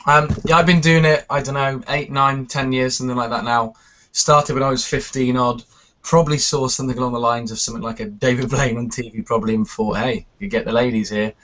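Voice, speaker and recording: A man's voice: mid-range voice, a little fast. Man, English accent, from Wales, joking about himself, muffled web call sound. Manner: relaxed, self-deprecating. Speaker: guest magician. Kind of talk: casual video chat.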